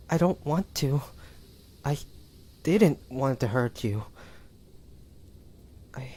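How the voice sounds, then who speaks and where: A man playing a tormented, bloodthirsty demon fighting his hunger in a dramatic audio roleplay, speaking haltingly with breathy sighs and drawn-out pleading. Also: mid-range voice, a little mellow, slight background noise. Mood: anguished, remorseful.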